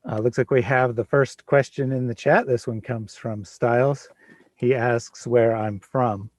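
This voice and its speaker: A man of forty hosts a casual livestream in an easy, chatty way and laughs now and then. His voice sits at an ordinary middle pitch. The sound is dry and close, with no room around it. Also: measured pace, no echo. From Midwest United States. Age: 40s. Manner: relaxed, chatty, laughs often. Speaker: livestream host.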